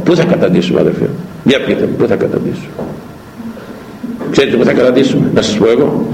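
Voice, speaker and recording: A male priest giving a sermon, emphatic and full of rhetorical questions, rising loud and dropping low. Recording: roomy echo, faint noise.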